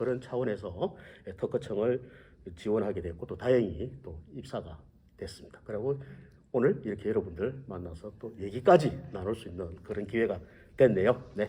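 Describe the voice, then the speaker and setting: A man speaks with a fairly low pitch and a dark, mellow tone. His voice is somewhat breathy, with lively intonation. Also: moderate pace. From South Korea, Gyeongsang region. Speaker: patent examiner. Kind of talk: interview answering student reporters. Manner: explanatory, many filler words.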